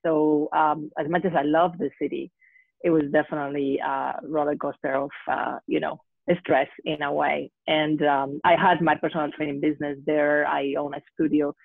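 A woman's voice: low-pitched, little pitch movement, moderate pace, creaky, dry recording. A woman from Spain with a Spanish accent, a guest on an online panel, speaking hesitantly with many fillers. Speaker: guest health coach. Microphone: video call. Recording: tinny phone-like call audio.

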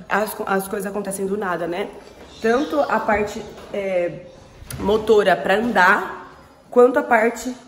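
A woman's voice: medium pitch, a little hiss or hum. A woman in her thirties with a Brazilian Portuguese accent, chatting affectionately and exclaiming through a casual family vlog. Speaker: family vlogger and mother.

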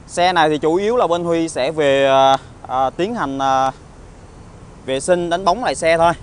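A man with a southern Vietnamese accent giving an informal used car salesman's walkaround pitch, halting often with hesitations and tag words. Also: smooth. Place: outdoor car lot, partly inside a car. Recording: outdoor phone recording with traffic ambience.

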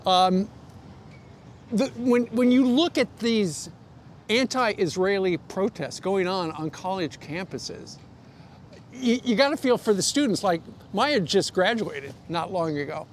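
An American man in his sixties hosting a live broadcast interview, talking in a halting, conversational way. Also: high voice, lively intonation. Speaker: TV news host interviewing guests. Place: outdoor rooftop terrace in a city. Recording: outdoor live broadcast, clear background noise.

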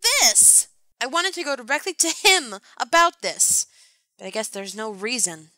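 A woman performs a judgmental, earnest teenage girl in an audio drama. Her voice is bright and slightly high, recorded very dry. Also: big pitch swings, measured pace, no room sound, exaggerated voice. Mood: indignant. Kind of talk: fan audio drama acting.

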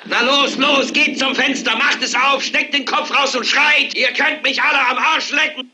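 A man's voice: on the high side, expressive, brisk, breathy edge, full character voice. An actor dubbing a fed-up male TV news anchor who delivers an impassioned on-air rant. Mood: shouting, fervent. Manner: impassioned, building to a shouted rant. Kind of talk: dubbed film acting.

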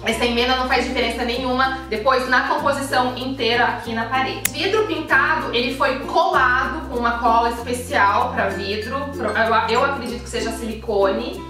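A woman in her thirties with a Brazilian Portuguese accent, chatting casually in a home vlog from her kitchen and gesturing as she explains. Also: high-pitched. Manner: chatty, friendly, talks with her hands, frequent restarts. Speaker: home organization vlogger. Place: modern home kitchen, indoors. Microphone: camera at medium distance. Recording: echoey, distant, with background music.

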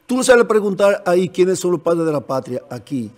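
A man's voice: high-pitched, big pitch swings, moderate pace, crowd noise. A man in his sixties with a Dominican Spanish accent, a Catholic priest speaking earnestly and in a fatherly way as a guest on a TV panel, at a desk microphone in a studio. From Dominican Republic. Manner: earnest, fatherly, gestures emphatically. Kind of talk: TV panel discussion. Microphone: desk microphone on stand.

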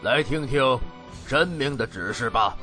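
An actor playing a stern, imperious, quick-to-anger king in an ancient fantasy audiobook drama, cold and commanding. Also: mid-range voice, expressive, bright, forceful tone, faint music behind. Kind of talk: Chinese audiobook drama acting.

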